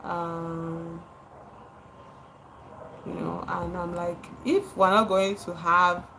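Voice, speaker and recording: A woman's voice: on the low side, level tone, very slow, vocal fry, noisy background. A Nigerian woman livestreaming, speaking with passion, repeating words for emphasis and greeting her chat viewers. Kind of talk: live stream commentary.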